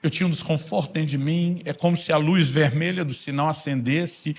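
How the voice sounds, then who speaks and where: A middle-aged preacher speaks in a fairly high voice for a man. He tells his sermon as conversational stories and at times sinks into a soft, low tone. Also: steady tone, brisk. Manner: storytelling, conversational, drops soft and low in quiet passages.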